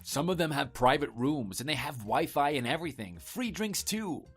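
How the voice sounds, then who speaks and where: Man acting a smooth-talking, animated husband. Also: on the high side, normal speed, faint music behind. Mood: upbeat, persuasive. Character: evasive, smooth-talking husband coaxing his wife. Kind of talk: scripted dialogue for an online story drama.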